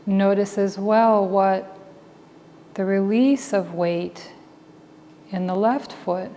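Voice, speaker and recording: A woman leading a guided meditation as a teacher, speaking calmly and deliberately in short phrases with long pauses. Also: mid-range voice. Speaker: meditation teacher and Buddhist chaplain. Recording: reverberant hall with faint background noise.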